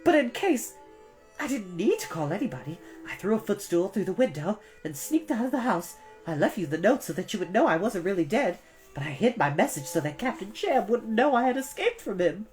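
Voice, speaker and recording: A woman's voice: medium pitch, big pitch swings, brisk, a little mellow, faint music behind, pitched above the performer's own voice, natural voice. A woman voicing a fearful, fussy older aunt in a children's storybook, whining and scolding in a pedantic way. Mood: cross, defensive. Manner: whining, grammar-pedantic, stern.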